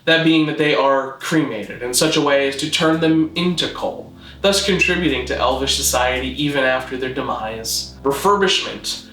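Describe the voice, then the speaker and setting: A man narrating a scripted mock-documentary explainer in a formal, measured, deadpan manner. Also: mid-range voice, reverberant, poor audio. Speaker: presenter of a constructed-language video.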